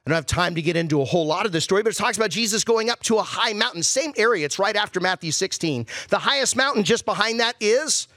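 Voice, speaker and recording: A man's voice: high voice, expressive, fast, few pauses, bright, forceful tone, no echo. A man preaching a sermon as pastor, talking conversationally and asking his listeners rhetorical questions.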